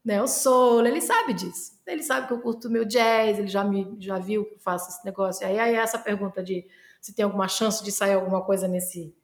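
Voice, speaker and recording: A woman, a singer being interviewed, telling stories in a casual, animated way. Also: medium pitch, brisk, reverberant. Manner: animated storytelling with laughter. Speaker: guest singer.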